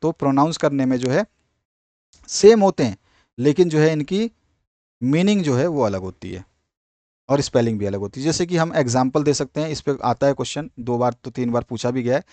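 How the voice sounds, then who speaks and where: A man teaching an exam-prep lesson in Hindi, reading English definitions out slowly and often repeating small filler phrases. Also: mid-range voice, animated, warm tone, no echo.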